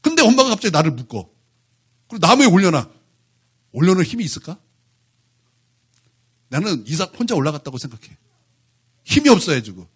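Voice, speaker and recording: Husky-voiced pastor preaching animatedly. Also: male voice, sits high, fairly quick, pauses often. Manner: animated, keeps asking the congregation questions. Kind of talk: sermon. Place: church.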